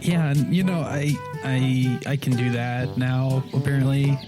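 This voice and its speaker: A man's voice: mid-range voice, steady tone, measured pace, over music. A man playing a tabletop roleplaying game, improvising in-character chat in a hesitant, joking way that repeats words.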